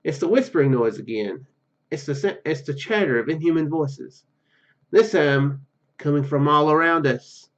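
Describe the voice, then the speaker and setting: A man hosting a gameplay video, reading story narration aloud haltingly with casual comments. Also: fairly high pitch, fairly bright tone, highs cut off. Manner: halting reading, stumbles and repeats words. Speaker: gaming video host.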